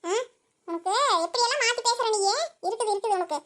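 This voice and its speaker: A woman voicing a sharp-tongued old village mother-in-law in a cartoon, who scolds and teases with quick retorts. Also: extremely high pitch. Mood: scolding. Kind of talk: cartoon voice acting.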